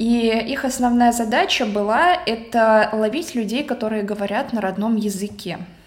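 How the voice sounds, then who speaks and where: At a moderate pace, a woman speaks in a fairly high pitch with ordinary pitch variation, in a normal speaking voice. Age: 20s. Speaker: university student. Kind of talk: interview.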